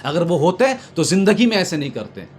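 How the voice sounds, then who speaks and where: High-voiced man, impassioned political commentary, emphatic repetition, noticeable background noise. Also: big pitch swings, a little fast. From Bengal, India. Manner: emphatic, repetitive, oratorical lists. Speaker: political commentator being interviewed.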